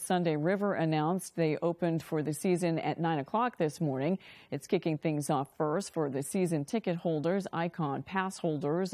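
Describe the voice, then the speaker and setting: A woman's voice: deep voice, mellow, no room sound. A woman anchoring a local TV newscast, reading scripted news in a studio. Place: dry TV studio.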